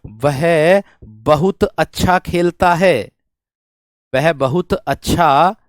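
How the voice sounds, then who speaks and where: In studio-quality, dry audio, a man teaches a Hindi grammar lesson to a class. His voice is a little high. He dictates example sentences, repeats phrases, and keeps asking familiar rhetorical questions to make sure students are following.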